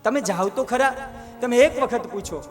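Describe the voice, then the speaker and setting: A man voicing a calm, reassuring male god giving instructions. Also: extremely high pitch, moderate pace. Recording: long hall echo with music.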